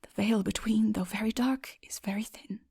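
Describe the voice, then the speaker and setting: A woman's voice: medium pitch, steady tone, moderate pace, vocal fry, dark tone, husky, dry recording, clean studio sound. A woman voicing an anguished, melancholy young man in an audiobook, earnest and declamatory. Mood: hushed resolve. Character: anguished young man wandering enchanted lands, pleading, melancholy. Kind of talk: dramatic audiobook acting.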